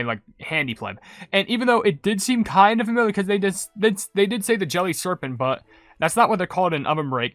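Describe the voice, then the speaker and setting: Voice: mid-range voice, a bit bright, no echo. A gaming video maker giving casual commentary in a rambling, hesitant way.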